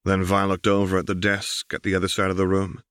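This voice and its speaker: A man's voice: low-pitched, completely flat delivery, a little fast, a bit bright, smooth, no room sound, clean studio sound. A man reading an audiobook as scripted, dramatic story narration. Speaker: audiobook reader.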